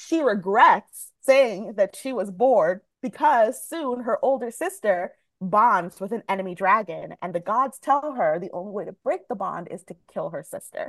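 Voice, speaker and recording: Against a quiet background, a woman with an unremarkable speaking voice talks at a fairly high pitch and a fairly slow pace, with lively intonation, big swings in loudness and hardly any pauses. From Jamaica, raised in the US. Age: 30s. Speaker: author. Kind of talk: casual interview chat.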